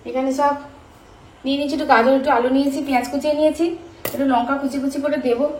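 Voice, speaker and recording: A woman's voice: high-pitched, steady tone, very fast, slight background noise, low-quality recording. A woman with a West Bengal Bengali accent, vlogging casually and exclaiming as she chats about what she is doing. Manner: chatty, exclaiming, narrating what she does. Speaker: lifestyle vlogger. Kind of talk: casual home vlog. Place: garden with mango trees, then home kitchen.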